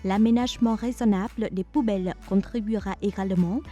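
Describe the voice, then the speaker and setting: A woman's voice: medium pitch, fairly even intonation, fairly quick, warm tone, dull audio, soft background music. A woman reporter reading scripted narration for a television news report.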